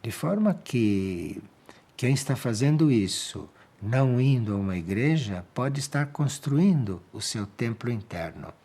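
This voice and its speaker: A man with a Brazilian Portuguese accent giving a calm spiritual talk, answering listeners' questions in a measured way and repeating key phrases for emphasis. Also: medium pitch, breathy edge.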